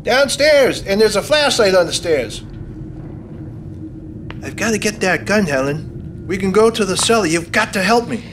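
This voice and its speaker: An actor playing a bitter, cowardly, scheming husband in a radio play, snide and agitated. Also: male voice, high voice, lively intonation, normal speed, long pauses, fairly bright tone, a little hiss or hum. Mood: desperate, scheming. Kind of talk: live staged radio play reading.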